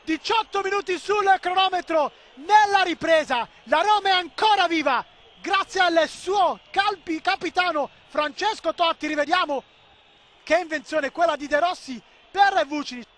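A man giving excitable live football commentary, swinging between clipped calls and drawn-out shouts. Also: very high-pitched.

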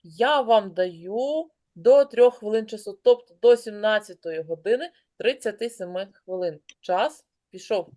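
A woman teaching an online class, brisk and encouraging, calling on pupils by name. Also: medium pitch, darkish tone.

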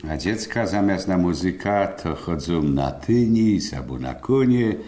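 A man's voice: sits low, lively intonation, measured pace, warm tone. A man playing a good-humoured, teasing older uncle in a radio dialogue, with a Silesian accent and a folksy, exclamatory manner. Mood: musing. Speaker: host of a radio show. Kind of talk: scripted dialect radio dialogue.

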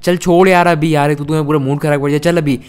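A man hosting a Hindi gameplay role-play, talking loud and slangy, often scolding. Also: fairly high pitch, fairly even intonation, fast talker, clear, resonant tone. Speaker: gaming channel host.

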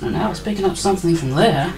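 Over crowd noise, a woman with a fairly low voice talks quickly while tinkering with radios at an indoor workbench. Her commentary is casual and wry, with apologetic asides, captured on a desk microphone close to an amplifier.

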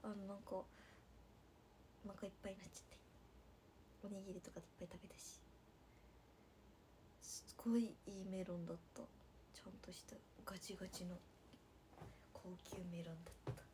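A woman's voice: medium pitch, little pitch movement, brisk, pauses often, background noise. Sleepy young woman with a Nagasaki accent. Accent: Nagasaki dialect. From Nagasaki, Japan. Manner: drowsy, drifting into soft whispers, then bright squeals for viewers. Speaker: idol livestreamer. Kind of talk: casual livestream chat reading comments.

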